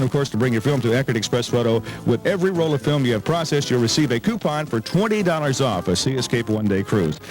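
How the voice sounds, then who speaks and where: A man's voice: medium pitch, rough recording. A man hosting a morning radio show, moving between chat and live ad reads. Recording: radio aircheck with music behind.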